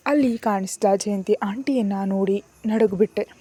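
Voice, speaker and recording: A woman's voice: mid-range voice, normal speed, warm tone, slightly rough. A woman narrating a first-person story in an emotive storytelling manner.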